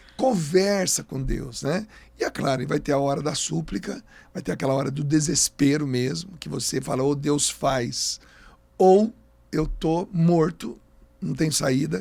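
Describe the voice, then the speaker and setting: A man's fairly high, somewhat breathy voice with a dark, mellow tone, lively intonation and a fairly slow pace. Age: 60s. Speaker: preacher and missionary singer. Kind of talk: podcast interview on faith.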